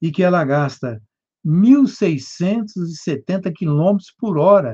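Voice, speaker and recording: A man speaks at a fairly slow pace with a high pitch. His tone is dark and mellow. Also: lively intonation. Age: 70s. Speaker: spiritist lecturer. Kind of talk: lecture. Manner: halting.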